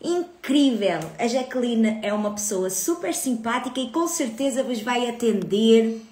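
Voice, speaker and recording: A woman's voice: on the high side, expressive, measured pace, darkish tone, roomy sound. A woman in her thirties with a European Portuguese accent, hosting a casual live stream about her book club, chatty and greeting viewers. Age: 30s.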